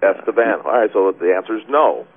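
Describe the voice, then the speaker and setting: A man's voice: lowish voice, animated, moderate pace, slightly rough. A man hosting a call-in webcast, chatting casually with many fillers. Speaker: webcast host. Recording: tinny phone-line sound.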